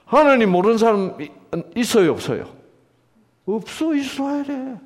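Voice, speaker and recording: A pastor with an extremely high, sing-song voice preaches at normal speed, putting questions to the congregation. He acts out quoted lines, shifting between different voices.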